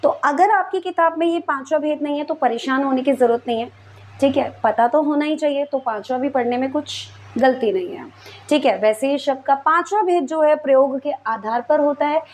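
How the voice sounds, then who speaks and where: A woman with a high voice runs a school grammar lesson. She explains patiently, one step at a time, and keeps checking that her students follow. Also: normal speed, darkish tone. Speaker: Hindi grammar teacher.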